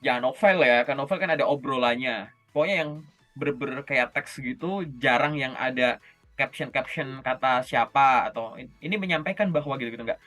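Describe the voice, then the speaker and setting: A man coaching job interview skills in a casual, lively session over a video call, often checking in with his listener. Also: mid-range voice, moderate pace, soft background music. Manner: lively, chatty, often checks in with "oke?" and "gitu".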